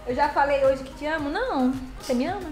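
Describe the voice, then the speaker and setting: A woman hosts a casual live stream, greeting viewers by name with pet names and chatty affection. Her high voice is animated, fast and darkish in tone. The room echoes, and faint music plays in the background.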